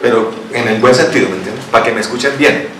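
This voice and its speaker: A male pastor from Colombia preaching a lively sermon, asking questions of the congregation and reading scripture aloud. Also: medium pitch, quick pace, a little hiss or hum. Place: church hall. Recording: echoey church hall, mic from a distance.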